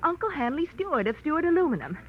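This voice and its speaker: An actress playing a self-assured but panicky rich young client in 1940s radio style, urgent and insistent. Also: female voice, sits high, very animated, racing. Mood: anxious, hurried. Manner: urgent, insistent, breaking into stammers. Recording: dull old radio recording, faint noise.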